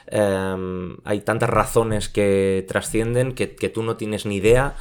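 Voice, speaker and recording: Fairly low in pitch with fairly even intonation, a man talks in an unremarkable speaking voice. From Catalonia. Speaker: actor. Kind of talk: casual chat. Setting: studio.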